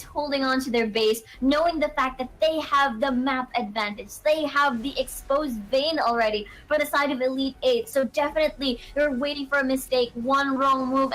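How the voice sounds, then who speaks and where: A woman's voice: high-pitched, a bit bright, poor audio. A woman giving analytical color commentary on an esports match, explaining the strategy.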